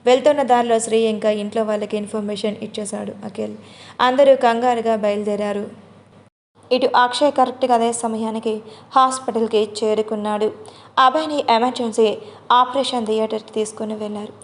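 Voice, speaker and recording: Woman narrating a dramatic audio story, urgent, kinda high pitched. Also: fairly even intonation, fairly quick.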